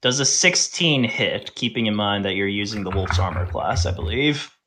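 A man narrating a tabletop game as game master, improvising haltingly with drawn-out pauses. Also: on the low side, lively intonation, noisy background.

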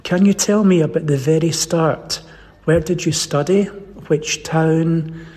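Higher-pitched male interviewer in echoing hall. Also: steady tone, measured pace, darkish tone. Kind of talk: measured interview questions. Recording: long echoing reverb in a hall.

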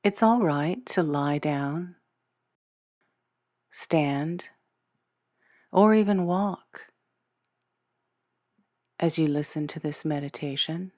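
A woman guiding a scripted meditation in a gentle, soothing, soft-spoken way, leaving long pauses between short phrases. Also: low-pitched, dry recording, clean studio sound. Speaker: meditation guide. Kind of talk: scripted guided meditation narration. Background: new-age music.

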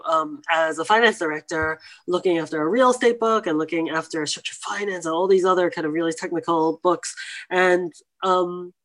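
A woman, a guest in a conversational interview, telling stories animatedly and acting out the voices of others. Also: fairly low pitch. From New York. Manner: animated storytelling, acts out quoted voices.

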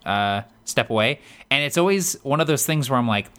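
A man with a high voice, co-hosting a podcast in casual chat, talkative and laughing often with lots of fillers. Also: expressive, brisk, fairly bright tone, clean tone. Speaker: podcast co-host.

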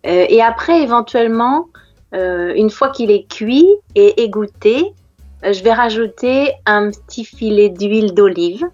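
French woman chatting, patient, lots of little pauses, dry kinda muffled sound w faint music. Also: mid-range voice, darkish tone, dry recording. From France. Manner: patient, explains words slowly with many hesitations. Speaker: native French conversation partner. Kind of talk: casual conversation practice.

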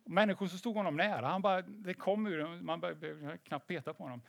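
A man preaches to his congregation in a chatty, conversational way, often checking in with "eller hur?" and dropping in English phrases. His voice sits a little high, and the recording is close and dry with no room echo. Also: creaky. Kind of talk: sermon.

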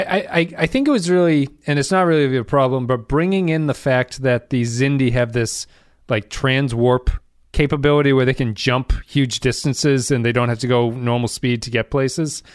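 Male co-host, casual chat, halting delivery full of restarts, laughs a lot, dry close sound. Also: medium pitch, no echo. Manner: hesitant, many restarts, laughs often. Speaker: podcast co-host.

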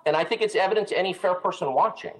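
A man's voice: sits high, very fast, low-quality recording. A man being interviewed, indignant and talking over the interviewer in a heated exchange. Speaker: interview guest.

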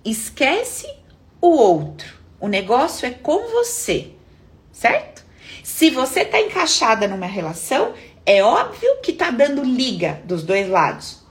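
Lively Brazilian woman therapist, animated. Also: on the high side, unhurried. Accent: Brazilian Portuguese. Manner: lively, acts out dialogues, frequent rhetorical questions. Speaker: therapist hosting a live stream. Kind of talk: live-stream talk answering viewers.

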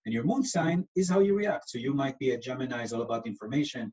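A man's voice: medium pitch, animated, racing, darkish tone, muffled recording. A man from Israel with an Israeli accent, explaining things patiently in an interview, with lots of fillers. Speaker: astrologer guest.

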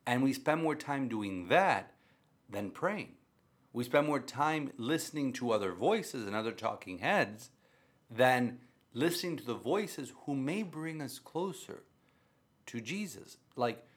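A man's voice: medium pitch, expressive, unhurried. A man who is a Catholic priest and grew up speaking Spanish, talking conversationally about faith and repeating phrases for emphasis. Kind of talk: conversational religious talk.

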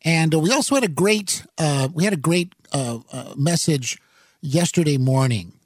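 A man hosting a talk radio show, commenting on the news in a rambling, halting way with many fillers and self-corrections, into a studio microphone. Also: fairly high pitch, lively intonation, no room sound.

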